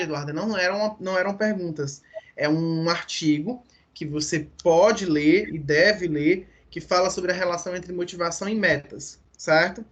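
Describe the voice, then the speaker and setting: A man's voice: high voice, sharp tone. A man lecturing a university class online, explaining step by step and often checking in with his students.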